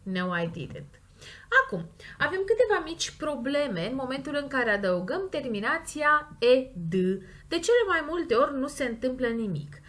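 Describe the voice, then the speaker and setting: A woman's voice: high voice, big pitch swings, fairly bright tone. Romanian woman explaining English grammar. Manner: slow, stressed model words between quick explanations. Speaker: language teacher. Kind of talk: explaining grammar in a recorded lesson.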